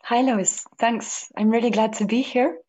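A woman's voice: a little high, steady tone, a little slow, dark tone, slightly rough, low-quality recording. A woman from France and Britain introducing herself as a guest, in a friendly, somewhat hesitant way. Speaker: guest, youth worker. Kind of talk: casual self-introduction.

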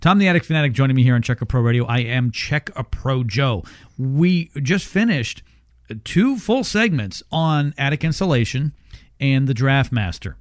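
A man's voice: mid-range voice, lively intonation, moderate pace, dry recording. A man hosting a home-improvement radio show, teasing his guest and reading ads in a casual way. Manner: jokey, teasing banter. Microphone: studio microphone. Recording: dry studio sound.

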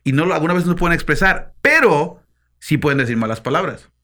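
A Mexican man co-hosting a loose, joking chat, his voice bright and forward, with a fairly high pitch. He swings up and down a lot as he talks and swears freely. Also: animated, brisk. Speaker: podcast co-host. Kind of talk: casual chat.

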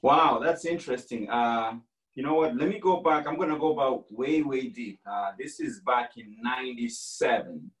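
Relaxed, rambling Kenyan-born man, echoey. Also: medium pitch, normal speed, distant mic. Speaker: franchise owner guest. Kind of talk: casual podcast conversation.

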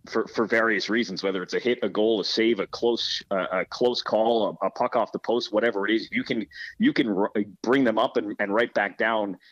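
A man's voice: on the low side, a bit bright, muffled recording. A man, a sports broadcaster, giving earnest, explanatory answers in a conversational interview and repeating words for emphasis. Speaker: hockey play-by-play broadcaster being interviewed.

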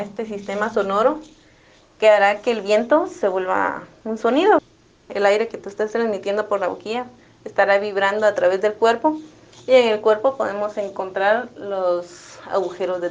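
Guatemalan woman, mid-pitched, thoughtfully explaining her craft, dull lo-fi sound. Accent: Guatemalan Spanish. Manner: thoughtful, explanatory, with tag questions. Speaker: maker of clay wind instruments.

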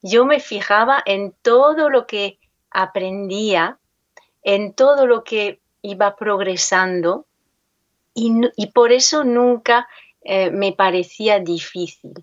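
Slow-spoken woman, Spanish speaker. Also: mid-range voice, dry recording, highs cut off. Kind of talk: conversational interview about personal experience.

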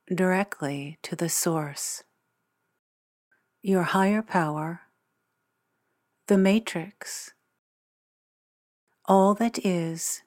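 A woman narrating a guided meditation as its guide, speaking in measured, deliberate phrases with long pauses. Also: lowish voice, darkish tone.

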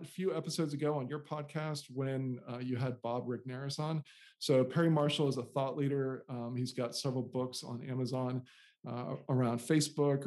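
A man's voice: mid-range voice, warm tone. A man in his forties with an American accent, telling his story as an interview guest and often repeating and restarting words. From United States. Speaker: guest, software founder.

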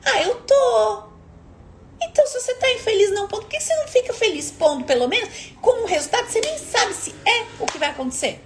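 Animated high-voiced woman coach. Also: a little hiss or hum. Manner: emphatic, questions the audience directly. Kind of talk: motivational live stream talk.

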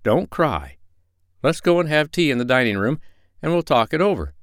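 A man voicing a kind, cheerful animal doctor in a storybook, speaking gently and reassuringly. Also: fairly high pitch, sing-song, moderate pace, no echo, studio quality, pitched above the performer's own voice.

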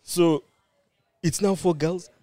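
A man's voice: high-pitched, steady tone, takes it slowly, dark tone, no room sound. A man, chatting and telling stories casually as a podcast co-host in laddish London-influenced street slang. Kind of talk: casual chat, storytelling.

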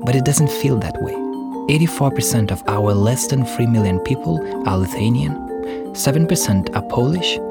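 A man hosting a podcast, reading a scripted narration in a measured way. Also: mid-range voice. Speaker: podcast host. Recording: music bed underneath.

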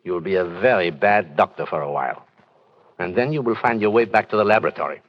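A man's voice: low-pitched, quick pace. An actor playing an older scientist and mentor with a dry, fatherly manner, in an old radio drama. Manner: dry, fatherly, a little hesitant. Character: older male mentor scientist, gruff but kind. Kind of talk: 1930s radio drama acting. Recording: dull old radio broadcast.

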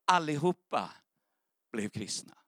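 A man's voice: a little high, big pitch swings, pushed and bright, no room sound, clean studio sound. A man preaching a sermon, telling an earnest, emotional story as testimony.

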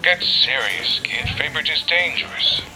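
An actor playing a gruff, wary older treasure-hunting mentor in an audio drama, dry and admonishing. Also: male voice, on the high side, lively intonation, unhurried, low-quality recording. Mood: terse, cautioning. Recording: loud music under the voice.

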